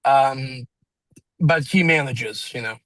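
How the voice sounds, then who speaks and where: A man's voice: medium pitch, slow pace, fairly bright tone, no echo, low-quality recording. A man in his twenties with a non-native English accent, telling a story in a rambling, self-deprecating way with fillers and laughs. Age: 20s. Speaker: salesman and business owner. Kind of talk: casual conversation, storytelling. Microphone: video call.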